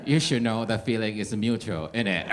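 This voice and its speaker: A man's voice: on the low side, background noise. A young gay man doing stand-up in a comedy club, speaking non-native English with a slight American twang, wry and chatty with the audience. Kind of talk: stand-up set.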